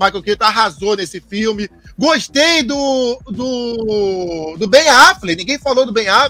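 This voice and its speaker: A man with a high pitch uses a raised, projected voice and lively intonation at a very slow pace. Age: 40s. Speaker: film channel host, podcast guest. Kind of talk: casual chat. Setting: at home in bedroom.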